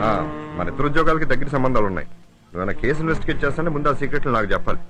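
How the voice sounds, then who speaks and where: An actor voicing a blunt, bossy investigator in a dubbed film scene, setting terms for a marriage. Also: male voice, medium pitch, lively intonation, racing, natural voice. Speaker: investigator hunting a man named Bachi. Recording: loud film music underneath.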